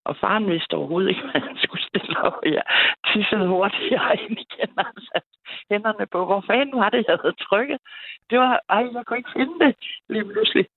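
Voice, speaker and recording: Woman caller, gravelly, chatty storyteller who laughs often, tinny phone line, dry sound. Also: mid-range voice. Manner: lively, chatty, laughs between sentences. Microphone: telephone.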